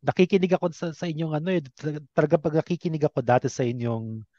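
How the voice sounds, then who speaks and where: A man's voice: on the high side, very fast, mellow, no echo. A Filipino man interviewing casually, polite and deferential, feeling his way through questions and mixing in English, in slightly muffled sound.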